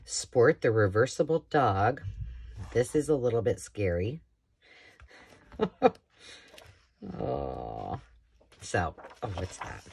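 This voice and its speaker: Her voice is extremely low, darkish, creaky and breathy-edged, moving in a sing-song way, slowly, with long pauses. She's a craft channel host at an indoor craft table, chatting and rambling through thrifted books with enthusiastic asides.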